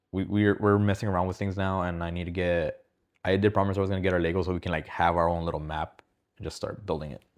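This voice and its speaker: A very fast man's voice, very deep and low in pitch, with monotone, flat intonation over a quiet background. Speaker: podcast host. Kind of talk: casual chat. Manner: casual, profane.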